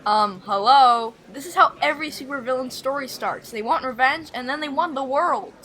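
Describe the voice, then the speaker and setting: A high, bright voice of a woman playing a cautious, peace-loving school friend. The character preaches calm in cartoon roleplay style. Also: moderate pace, poor audio. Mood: cautioning. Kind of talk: animated roleplay voice acting.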